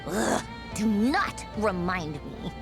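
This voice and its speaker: A woman's voice: mid-range voice, animated, takes it slowly, vocal fry, music in the background. A woman playing a haughty, sardonic, easily exasperated young villain scientist in a video game. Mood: exasperated, indignant. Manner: sardonic, theatrical.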